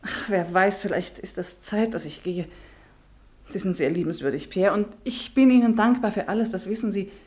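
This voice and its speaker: Radio play role, actress: loyal wife and mother, mid-range female voice, gentle yet torn. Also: medium pitch, moderate pace, natural voice. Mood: resigned. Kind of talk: German radio play acting.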